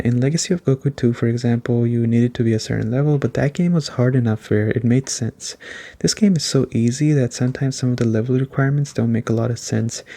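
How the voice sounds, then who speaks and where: Soft-spoken mellow man chatting about games. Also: mid-range voice, creaky. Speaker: video game reviewer. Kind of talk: soft-spoken ASMR game review, casual chat.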